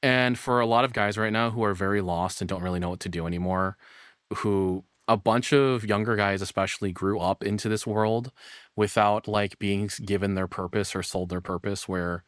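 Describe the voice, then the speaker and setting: A man in his thirties with a fairly low voice, reacting casually as a streamer. He rambles off the cuff and curses now and then, in a very dry recording. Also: fairly even intonation, normal speed, no room sound. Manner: rambling, profane.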